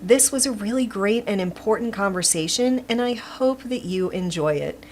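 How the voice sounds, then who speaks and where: A woman's voice: medium pitch, moderate pace, a little mellow, slight background noise. A woman hosting a podcast, chatting casually and upbeat, laughing often. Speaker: podcast host. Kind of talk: casual interview chat.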